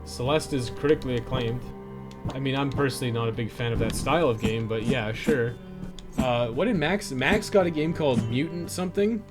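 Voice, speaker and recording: Casual man streaming over loud music. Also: medium pitch, brisk. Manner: informal, sweary. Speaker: game livestreamer. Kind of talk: casual chat while playing a game. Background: game music.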